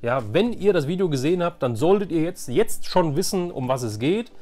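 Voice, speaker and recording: A man's voice: a little high, expressive, a little fast, a little mellow. A man hosting a casual show-and-tell collecting vlog, enthusiastic and rambling, often repeating himself. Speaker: host of a toy collecting channel.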